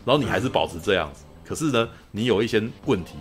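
A podcast host reviews a film in a casual, rambling chat, laughing often and constantly tacking "you know" onto his sentences. His voice is lowish, expressive and fast, with soft music in the background.

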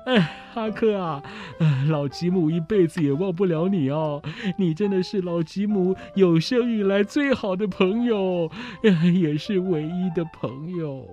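A man playing a cheerful, warm-hearted older runaway in a children's storybook reading, who laughs often and talks eagerly. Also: fairly high pitch, unhurried, lo-fi sound, soft background music, natural voice. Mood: tender.

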